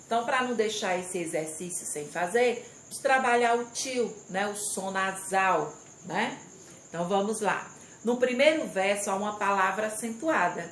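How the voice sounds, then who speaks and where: A woman teaching a primary school class, going through the lesson step by step, reading aloud and pausing to stress each syllable. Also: mid-range voice, animated, fairly bright tone. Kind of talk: recorded remote class lesson. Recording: echoey room with faint insect noise.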